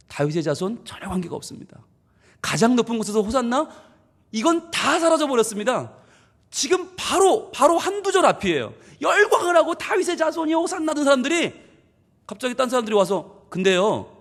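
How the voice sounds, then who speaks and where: A male pastor delivers a sermon in a high voice that rises and falls. He acts out the crowd's words in expressive quoted lines. The sound carries a long echo from a church hall.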